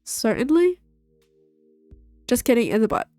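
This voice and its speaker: Here a young woman, a gaming video host, has a cold-blocked nose as she playfully reads through a dating game and voices each of its characters herself. She speaks at a measured pace in a fairly high, warm voice with lively intonation. The recording is dry, with faint game music underneath.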